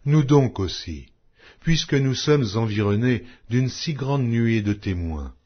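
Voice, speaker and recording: A man narrating an audio Bible as a scripted reading, in a solemn, measured, carefully articulated manner. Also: mid-range voice, expressive, dull audio.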